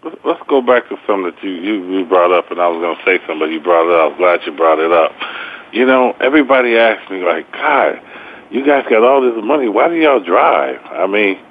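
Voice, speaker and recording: Deep-voiced male radio host on a phone line. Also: animated, fairly quick. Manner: rambling, filler-heavy, casual slang. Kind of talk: casual sports radio talk.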